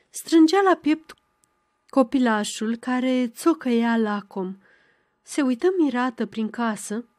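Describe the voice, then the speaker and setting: A woman narrating a novel in a measured storytelling delivery. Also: fairly high pitch, a little mellow, no room sound, studio quality. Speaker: audiobook narrator. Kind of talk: scripted literary narration.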